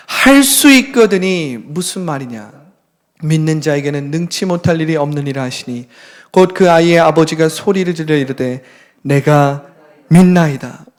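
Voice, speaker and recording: A man preaching a sermon as pastor, acting out scripture with fervent rebukes that swing between loud and hushed. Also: high-pitched. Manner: impassioned preaching, dramatic quoted rebukes, sudden loud and soft swings. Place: church sanctuary.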